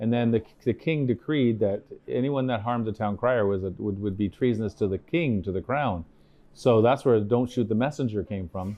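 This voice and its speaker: At a moderate pace, a man speaks in a normal speaking voice, his medium pitch showing ordinary pitch variation. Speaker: town crier. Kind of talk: interview answer. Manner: casual, conversational.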